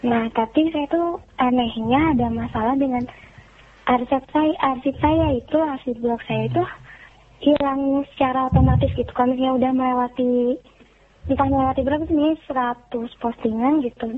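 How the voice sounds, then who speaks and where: High-voiced young woman on tinny phone. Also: normal speed. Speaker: phone-in caller. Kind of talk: casual chat. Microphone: mobile phone call. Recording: tinny phone line, faint noise.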